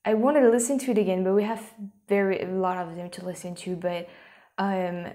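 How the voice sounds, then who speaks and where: A woman's voice: fairly low pitch, steady tone, brisk, warm tone. A young woman with a French accent, a YouTuber chatting casually to camera from a small room, often restarting and dropping into whispers. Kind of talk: casual vlog chat.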